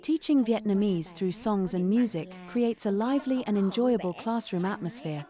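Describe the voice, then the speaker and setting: A woman's voice: mid-range voice, moderate pace, warm tone. A woman teacher explaining her method earnestly in a news interview. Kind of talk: interview soundbite.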